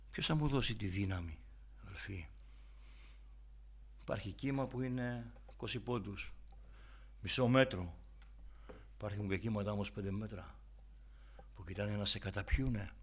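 A man preaching an impassioned sermon, dropping to whispers and rising to loud exclamations as he addresses the congregation. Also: fairly low pitch, gravelly, slightly rough.

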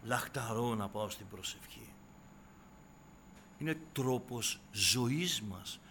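A man's voice: mid-range voice, animated, slight background noise. Impassioned man preaching a sermon. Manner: swings from hushed, near-whispered asides to loud, impassioned exhortation; keeps addressing listeners as brothers and sisters.

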